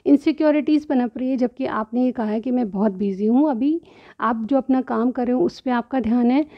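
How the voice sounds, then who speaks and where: A woman's voice: on the high side, brisk, lo-fi sound. A woman doing a tarot reading straight to her viewers in a chatty way, keeps checking in with "theek hai?", and her throat is a little sore. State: slightly sore throat, clears it often. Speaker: tarot reader.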